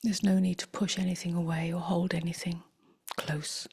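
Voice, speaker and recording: A woman meditation teacher leading a guided contemplation in a gentle, breathy, near-whispered voice, unhurried and with long pauses. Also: fairly low pitch, little pitch movement.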